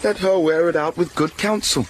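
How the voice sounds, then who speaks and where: A man reading a teasing young nobleman, animated and mock-dramatic. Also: on the high side, moderate pace, slight background noise, close to an everyday voice, rough recording. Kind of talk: amateur reading of a classic comedy.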